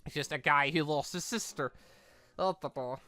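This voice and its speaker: A gaming video host rambling casually and excitably through fan opinions while commentating on a game. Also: mid-range voice, moderate pace, dry recording, faint music behind.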